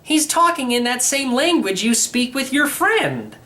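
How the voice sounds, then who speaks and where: A man's voice: very high voice, animated, unhurried, pushed and bright, voice pushed up, heavily acted. A man voicing a curious, mildly sceptical young boy in a children's audiobook, plain-spoken and questioning.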